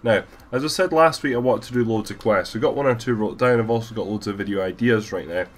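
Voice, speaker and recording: Male gaming vlogger, deep and low, sick with a cold, rapid rambling voiceover. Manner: rambling, casual, many fillers. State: has a cold, stuffy. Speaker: gaming YouTuber. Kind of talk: gameplay voiceover commentary.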